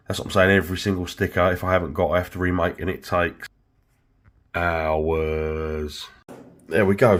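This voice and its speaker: A man with a flu-croaky voice, casually explaining his livery design work in a workshop vlog. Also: deep voice. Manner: chatty, explains steps with many fillers. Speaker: vinyl livery maker.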